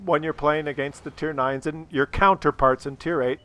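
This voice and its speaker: A man's voice: a little high, steady tone, moderate pace, a bit bright, clear, resonant tone. A man talking casually to his viewers, blunt and opinionated, swearing freely, while losing his voice from a cold. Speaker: gaming video creator.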